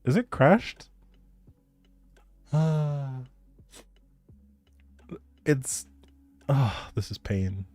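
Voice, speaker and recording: A man's voice: mid-range voice, expressive, very slow, pauses often, darkish tone, dry recording. A man chatting casually with viewers as a live game streamer, in a laid-back, informal and reassuring way. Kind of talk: casual livestream chat with viewers.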